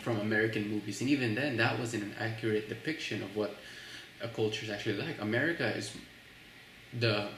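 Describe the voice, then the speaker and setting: Fairly quick speech with fairly even intonation and a slight Filipino accent. Noticeable background noise and audible room echo are present. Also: man. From Philippines, moved to Corpus Christi, Texas as a child. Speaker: immigrant interviewee. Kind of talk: interview. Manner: casual, with many fillers.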